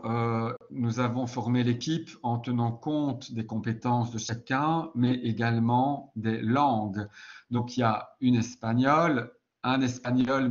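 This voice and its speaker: A Belgian man with a Belgian French accent presents at a conference, his pitch sitting in an ordinary middle range. He explains patiently and often pauses on "euh" or restarts a phrase. The sound is a little dull and lo-fi. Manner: explanatory, frequent "euh" hesitations and self-corrections. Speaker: university lecturer presenting a textbook.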